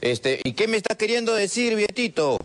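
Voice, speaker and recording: A man's voice: high-pitched, big pitch swings, moderate pace, a bit bright. A man in a comic phone sketch, easygoing and gullible, soothing his friend.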